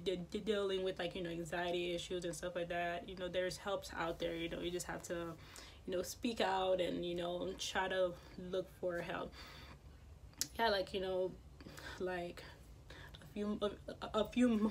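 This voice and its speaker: A woman's voice: fairly low pitch, slight background noise. A woman vlogger who stutters, repeating sounds and words, talking casually to camera with many fillers. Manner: many fillers, soft-spoken.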